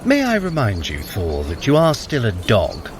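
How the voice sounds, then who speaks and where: An actor playing a sardonic, scheming god in an audio drama, speaking formally with wry, cool command. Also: male voice, fairly low pitch, huge pitch swings, moderate pace, background noise.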